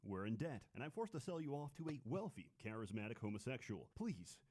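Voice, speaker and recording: Animated man delivering scripted satirical narration. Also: mid-range voice, a little fast, slightly rough. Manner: deadpan, caustic comic delivery. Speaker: video game reviewer.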